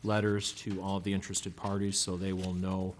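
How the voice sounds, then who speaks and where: Deep flat-voiced city attorney. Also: male voice, moderate pace, a little hiss or hum. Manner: formal, heavy with uhs. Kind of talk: council meeting report. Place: city council chamber.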